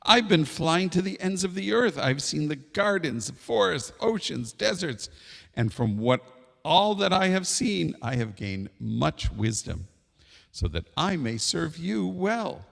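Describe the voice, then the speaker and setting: A man's voice: sing-song, measured pace, gravelly, a bit bright, heavily acted. A man voicing a small, clever storybook bird that pleads humbly and politely, in an echoey hall. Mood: earnest bargaining. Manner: pleading, courteous, higher voice. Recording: echoey hall with long reverb.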